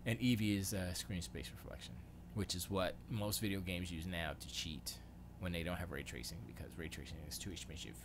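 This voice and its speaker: Pitched low and fairly even in intonation, this Florida man talks a little fast while hosting a casual livestream. Tinkering in his home studio, he thinks aloud, mutters questions to himself, and drops sentences halfway, all against a noisy background.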